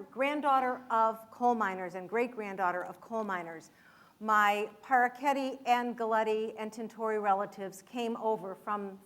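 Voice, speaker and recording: Woman, from Michigan, author, fairly high voice, conversational storytelling, occasional restarts. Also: fairly bright tone. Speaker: author speaking at an event. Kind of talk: public talk.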